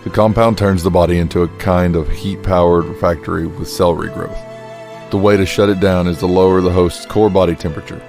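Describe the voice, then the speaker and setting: A man's voice: deep voice, steady tone, fairly quick, vocal fry, darkish tone. A man acting a grim, commanding masked vigilante detective in a radio drama, terse, stern and brooding. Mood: grim, analytical. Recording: music under the voice.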